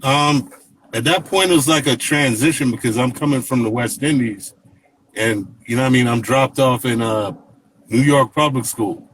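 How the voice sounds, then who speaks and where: A man's voice: mid-range voice, normal speed, rough recording. Laid-back Jamaican-born guest in his fifties, rambling anecdotes, faint hiss behind. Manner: relaxed, rambling, many fillers and "you know what I mean". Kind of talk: casual interview storytelling.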